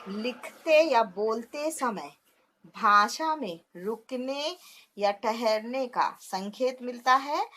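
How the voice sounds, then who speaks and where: Lady teacher, kinda high voice, explains step by step and answers her own questions, mixes in words. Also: sharp tone. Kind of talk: classroom grammar lesson.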